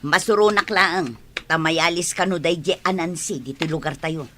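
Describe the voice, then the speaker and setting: A woman voicing a grumbling, resentful middle-aged village woman with a sharp tongue. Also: lowish voice, moderate pace, slight background noise, natural voice.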